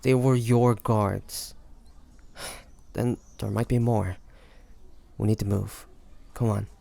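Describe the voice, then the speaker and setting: A man playing a roguish, protective pirate captain in a scripted audio roleplay, talking teasingly and intimately to the listener in a gravelly voice. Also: lowish voice, steady tone, slow, warm tone. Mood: concerned, urgent. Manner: teasing, smooth-talking, intimate pet names. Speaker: voice actor.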